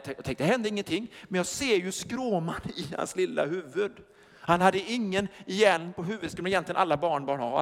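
Older man, pastor, sermon, high-pitched, lively, quizzes the congregation, long church-hall echo. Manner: lively, asks the congregation questions, jokes.

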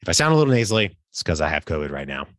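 A man's voice: low voice, very animated, racing, a bit bright, dry recording, clean studio sound. A man hosting a podcast, reading an upbeat intro with a slightly congested, nasal voice. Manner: upbeat, salesy call-to-action delivery. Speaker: podcast host.

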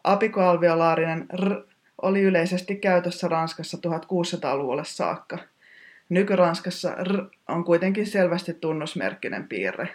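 A teacher giving a scripted pronunciation lesson in a precise, technical, instructive manner. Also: medium pitch.

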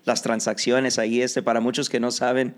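A man hosting a podcast interview in a relaxed, chatty way, full of fillers and slipping between Spanish and English. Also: mid-range voice, moderate pace. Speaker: podcast host. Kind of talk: casual bilingual interview.

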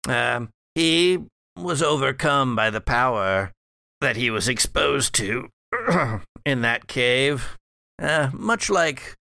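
A man's voice: mid-range voice, sing-song, takes it slowly, gravelly, bright, forceful tone, no echo, studio quality, full character voice. A man playing a sardonic undead family patriarch in a horror tabletop game, theatrical and drawling as he chuckles through old secrets. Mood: storytelling, relishing.

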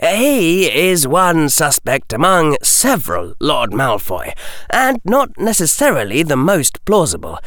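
A man voicing an earnest, sharp-minded boy wizard who speaks firmly and carefully, in an audiobook. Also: fairly high pitch, huge pitch swings, unhurried, no room sound, studio quality, voice pushed up, heavily acted. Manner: firm, careful, raised voice. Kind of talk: audiobook character voice.

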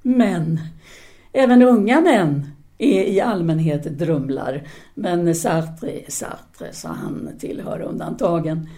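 A woman's voice: on the low side, mellow, natural voice. An actress playing a self-assured, independent-minded French woman teacher in a 1930s audio drama, speaking formally and didactically. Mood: firm, reflective. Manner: formal, articulate, didactic, with hesitant pauses.

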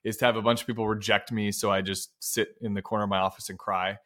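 Bright-voiced man in casual banter. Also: lowish voice, level tone, fast. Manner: joking, self-deprecating. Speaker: podcast co-host. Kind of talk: casual chat.

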